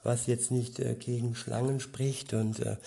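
Unhurried male preacher, dark husky voice, reflective and hesitant delivery. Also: medium pitch, level tone. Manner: slow, reflective, with frequent hesitations. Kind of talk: informal Bible teaching.

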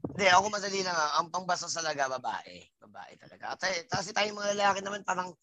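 A man's voice: high voice, fast talker, slight background noise. A man joking crudely as a podcast co-host in casual banter with friends. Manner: joking, crude, animated storyteller.

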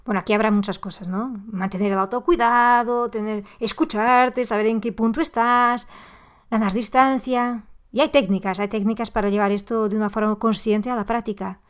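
A woman hosting a parenting podcast, speaking straight to the listener in an expressive way with sudden exclamations. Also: on the high side, moderate pace, smooth. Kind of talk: podcast monologue addressed to listener.

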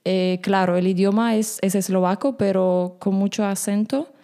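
A woman whose first language is Slovak, speaking as a podcast guest in a casual chat, pausing often with fillers. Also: medium pitch, steady tone, warm tone, clear, resonant tone. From Slovak minority in Romania. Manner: hesitant, many fillers.

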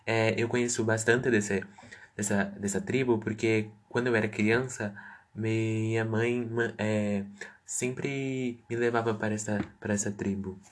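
A man's voice: lowish voice, steady tone, a little slow. A man answering interview questions as a guest, reading prepared answers with stumbling restarts.

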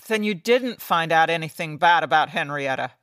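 A woman playing a melancholy, melodramatic rich lady in a noir radio play, speaking gravely with dramatic pauses. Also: deep voice, expressive, a bit bright, dry recording. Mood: anxious, sorrowful. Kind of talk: old-time radio noir acting.

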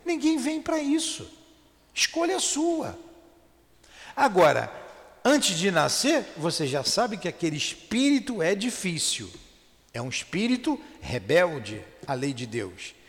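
A man's voice: high-pitched, wildly swooping pitch, takes it slowly. A man teaching spiritist doctrine, emphatic, asking questions and answering them himself. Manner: emphatic, asks and answers his own questions. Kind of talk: didactic explanation with rhetorical questions. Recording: reverberant room.

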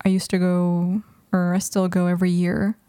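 A woman's voice: fairly low pitch, monotone, moderate pace, warm tone, clear, resonant tone, dry recording, studio quality. A woman of twenty, raised in Mexico with Russian as her first language, talking thoughtfully in a casual interview with many restarts. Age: 20s. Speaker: guest.

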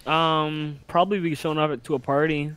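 A man's voice: fairly high pitch, level tone, brisk, a bit bright, slight background noise. A young man as a podcast guest, chatting casually in a jokey, slangy way. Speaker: podcast guest, YouTube cartoon animator. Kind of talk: casual joking chat.

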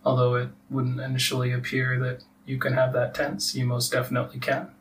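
A man leading a guided relaxation meditation as a teacher, giving soft instructions with long pauses. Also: medium pitch, completely flat delivery. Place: live group meditation session. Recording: distant mic with faint background noise.

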